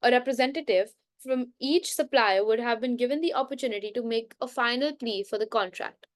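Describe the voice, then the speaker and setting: Woman, slightly high voice, reading a book aloud, frequent self-corrections, dry close sound. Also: a little fast, no echo. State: coughing now and then. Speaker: book reader. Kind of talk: unscripted bedtime book reading.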